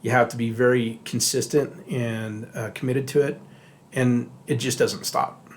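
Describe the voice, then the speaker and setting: A man's voice: mid-range voice, fairly even intonation, measured pace, slight background noise. A middle-aged man from Texas, a recovery therapist co-hosting a podcast, talking casually with many fillers, restarts and repeated words. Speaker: podcast co-host, addiction therapist.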